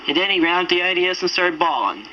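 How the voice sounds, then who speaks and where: A man's voice: high voice, animated, fast. A sixteen-year-old boy playing amateur radio host with goofy homemade show patter on an old cassette recorder. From Minnesota, United States. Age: 16, teenager. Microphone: portable cassette tape recorder. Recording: noisy lo-fi home cassette recording.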